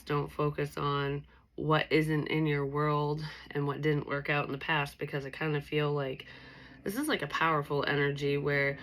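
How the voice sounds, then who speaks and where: A tarot reader gives her viewers a casual reading, rambling with lots of fillers and sounding stuffy and nasal from allergies. Her voice is deep yet a bit bright.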